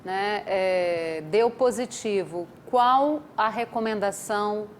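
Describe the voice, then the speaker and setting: A woman hosting a TV interview show. She asks questions in a lively, chatty way and sums up the popular myths she has heard. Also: mid-range voice, slow, a little hiss or hum. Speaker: TV interview host. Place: TV studio desk.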